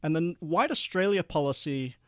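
Interview guest, middle-aged man from Malaysia: slightly high voice, earnest explainer, dry close sound. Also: animated, moderate pace, fairly bright tone, no echo. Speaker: guest, investment manager. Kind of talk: interview answers.

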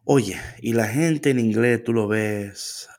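A man co-hosting a casual faith talk, animated and slipping into English phrases. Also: mid-range voice, slow pace. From Latino. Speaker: co-host.

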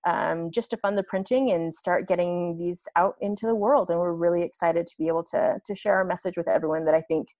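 Woman, 30s, lower pitch, dry close recording; casual, animated podcast guest. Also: a little fast, few pauses, no echo. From United States. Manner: chatty, laughs often, animated. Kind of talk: casual interview chat.

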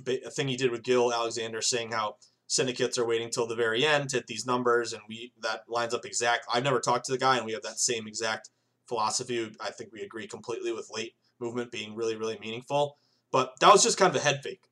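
On his solo sports betting podcast, a man in his thirties rambles loosely, full of fillers and restarts, and keeps calling his listeners "guys." His pitch is ordinary and his tone a bit bright. It's a casual monologue.

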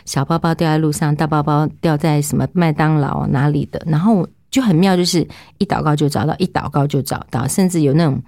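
Lively low-voiced woman. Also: gravelly, dry recording, clean studio sound. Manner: lively, acts out quoted speech. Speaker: interview guest giving testimony. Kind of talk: animated storytelling.

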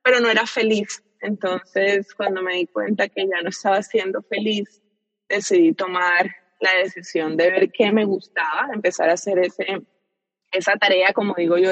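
A woman's voice: medium pitch, no echo, long reverb tail, highs cut off. A woman from Colombia with a Caribbean coast accent, a guest in a casual interview, talking reflectively with many fillers and restarts.

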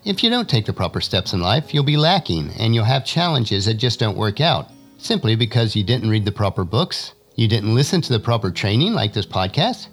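Earnest man hosting a motivational podcast. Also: medium pitch. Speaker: podcast host. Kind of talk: scripted motivational podcast monologue.

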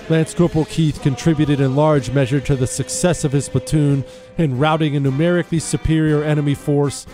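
A man's voice: fairly high pitch, warm tone. A man hosting a talk radio show in a conversational monologue, folksy and plain-spoken, addressing listeners directly. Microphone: close studio microphone.

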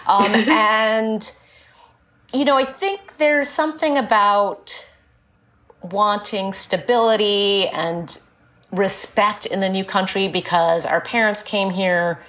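A woman's voice: mid-range voice, takes it slowly, a bit bright. A woman in her forties, born in India and raised in Illinois, talking frankly and chattily as an author guest. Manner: chatty, frank and explanatory, with light laughs. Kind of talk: casual interview conversation.

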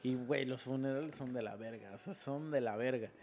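A man's voice: mid-range voice, a little fast, a little mellow. A young man with a Mexican Spanish accent telling stories in casual, crude, slang-heavy chat. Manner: crude slangy storytelling, laughs often.

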